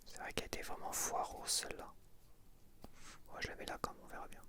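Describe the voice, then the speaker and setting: A man whispering casual, informal ASMR commentary in a breathy voice, muttering to the viewer close to the microphone. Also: fairly quick. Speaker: ASMR video creator.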